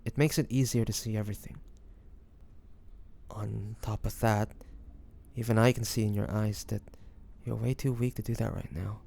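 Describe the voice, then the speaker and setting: A man's voice: lowish voice, steady tone, normal speed, warm tone. A man playing a devoted fantasy adventurer and healer in an audio roleplay, speaking intimately and earnestly. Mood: tender, regretful, urgent. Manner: intimate, earnest, with breathy sighs. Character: devoted fantasy adventurer and healer, tender toward his dragon beloved. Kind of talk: dramatic audio roleplay addressed to the listener.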